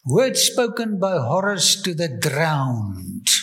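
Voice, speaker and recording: High bright man speaking slow, halting English. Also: wildly swooping pitch. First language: not English. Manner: enthusiastic, full of wonder. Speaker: guest speaker on ancient Egypt. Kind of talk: lecture with live interpreter.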